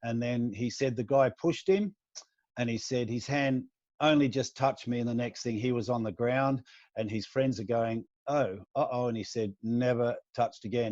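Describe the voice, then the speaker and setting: A man's voice: mid-range voice, darkish tone, dry recording. A man co-hosting an interview, retelling stories in a rambling way with frequent restarts. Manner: rambling storyteller with many restarts. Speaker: podcast co-host. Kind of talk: casual interview talk. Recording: dull lo-fi dry sound.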